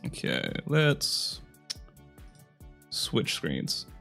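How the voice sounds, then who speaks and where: A young man with a slightly hoarse throat, chatting casually on a live stream in a rambling, self-deprecating way. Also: mid-range voice, huge pitch swings, very slow, over loud music. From Australia.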